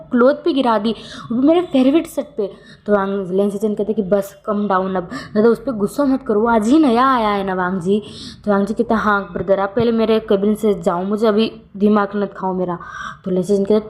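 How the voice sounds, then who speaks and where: A woman narrating a romance fan story in a casual way, halting with fillers and self-corrections, stammering when voicing the nervous secretary. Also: mid-range voice, a little mellow.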